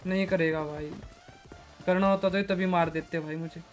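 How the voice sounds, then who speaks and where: A man streaming a mobile battle game, chatting casually and pleading excitedly with other players. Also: a little high, normal speed, soft background music. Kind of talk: casual gaming commentary.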